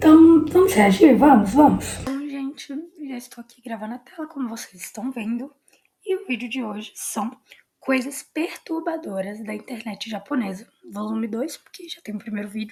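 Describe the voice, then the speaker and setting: Her voice is high, her intonation lively, and her loudness swings widely as this woman talks at a moderate pace. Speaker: YouTuber. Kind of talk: casual reaction video. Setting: sister's bedroom. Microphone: possible room echo.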